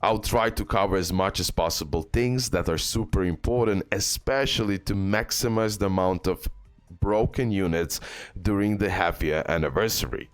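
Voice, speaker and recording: A man's voice: low-pitched, normal speed. A man giving casual gaming advice in an emphatic, repetitive way, often checking in with a short questioning tag. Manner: emphatic, repetitive, ends points with "okay?". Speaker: game video creator. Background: music.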